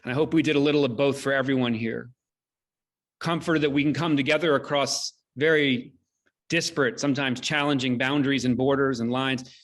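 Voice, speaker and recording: A man hosting an online event, giving measured, solemn closing remarks with deliberate rhetorical repetition. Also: medium pitch, fairly even intonation. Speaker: host, theater company director. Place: indoors, online video call.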